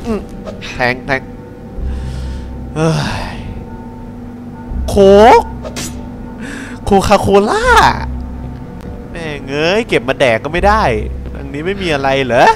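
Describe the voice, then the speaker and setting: Joking, lively young Thai gamer man. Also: on the high side, a little slow, pauses often, soft background music. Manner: crude, joking, talks to the game. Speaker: gameplay commentator. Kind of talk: casual horror game commentary.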